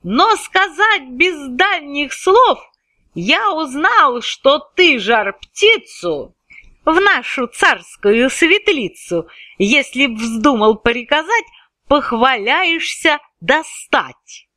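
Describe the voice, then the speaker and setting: A blustering old tsar barks commands and threats, as a woman reading verse puts him on. The voice sits high and swings widely from line to line. The recording is close and dry. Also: big pitch swings, drawn-out words, sharp tone, no room sound, full character voice. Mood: threatening. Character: angry, boastful old tsar.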